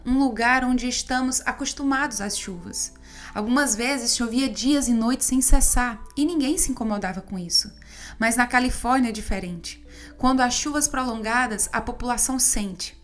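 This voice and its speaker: A woman narrating an audiobook in a steady, measured reading voice. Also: high voice.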